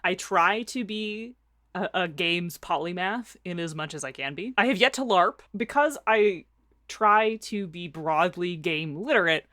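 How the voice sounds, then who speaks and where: A woman with a fairly low voice hosts a podcast in a relaxed, chatty way. She pokes fun at herself and laughs easily. The recording is close and dry. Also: measured pace, no echo. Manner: chatty, self-deprecating, laughs often. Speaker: podcast co-host. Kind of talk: casual podcast chat and ad read.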